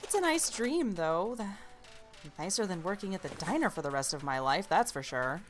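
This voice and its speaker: A woman's voice: lowish voice, big pitch swings, moderate pace, soft background music. A woman playing an encouraging young diner worker in an audio drama, with a casual, playful manner. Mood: wistful. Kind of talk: naturalistic audio drama acting.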